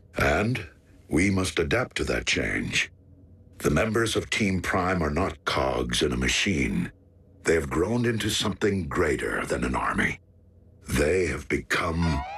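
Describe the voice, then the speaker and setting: In a cartoonish character voice, a man speaks at a very deep, low pitch with a calm tone and a fairly slow pace. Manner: calm, deep and steady.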